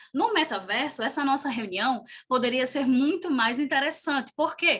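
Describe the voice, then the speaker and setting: Bright and sharp in tone, the voice keeps a medium tempo. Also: woman. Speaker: webinar panelist on law and technology. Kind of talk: webinar presentation. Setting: video call.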